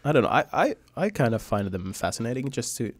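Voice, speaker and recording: A man with a Finnish accent hosting a podcast interview in English, agreeable and halting, often agreeing with his guest. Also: mid-range voice, sing-song, no room sound. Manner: agreeable, often says "yeah, that's true", halting phrasing. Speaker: podcast host. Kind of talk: casual interview.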